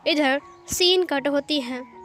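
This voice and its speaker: High-voiced woman telling a story. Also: slow, a bit bright. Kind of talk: casual fan-fiction narration. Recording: faint background music.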